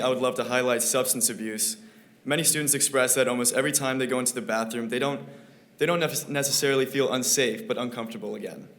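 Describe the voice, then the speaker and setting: A teenage boy serving as student representative, earnestly reading a prepared report to a school board meeting, his voice a little croaky. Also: medium pitch, fairly bright tone. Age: teens. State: slightly croaky voice.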